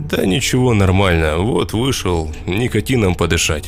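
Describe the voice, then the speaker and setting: Putting on a character voice, a man growls hoarsely at a very deep, low pitch and a moderate pace, with clear background noise behind him. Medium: read story.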